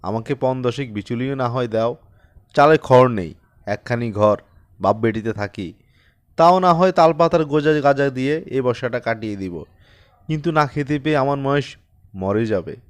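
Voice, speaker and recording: A man's voice: medium pitch, normal speed, smooth, no room sound, lightly acted. A desperate, humble peasant from a storybook, played by a male narrator. He begs plaintively and defers to his betters. The recording is dry. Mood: sorrowful. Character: poor, humble peasant father, desperate and pleading. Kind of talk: dramatized audiobook storytelling.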